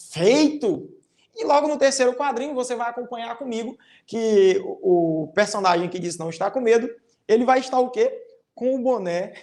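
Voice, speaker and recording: A Brazilian-accented teacher, a little mellow in tone, talks fifth graders through a recorded online lesson in careful, gradual steps. Tag questions close many phrases, and quoted sentences get read with strongly exaggerated pitch movement.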